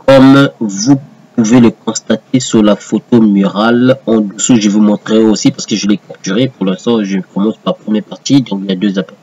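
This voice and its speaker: A man's voice: fairly low pitch, fairly quick, a little mellow, husky, lo-fi sound. A man commenting on a text he reads aloud to viewers, hesitant with many fillers and restarts. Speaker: host reading and rebutting a text. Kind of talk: casual commentary reading aloud.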